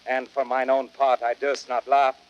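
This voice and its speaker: An actor playing a sour, blunt, scornful Roman cynic with dry, sardonic classical stage delivery. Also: male voice, medium pitch, level tone, normal speed, muffled recording, lightly acted. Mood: mocking, disdainful. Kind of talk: classical Shakespearean radio drama acting. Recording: noisy vintage spoken-word drama record.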